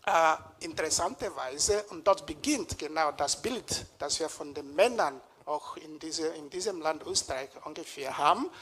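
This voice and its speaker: A man from Nigeria giving a public lecture in a lecture room, pausing often with hesitations as he searches for words. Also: fairly high pitch, lively intonation, fairly bright tone, slightly rough.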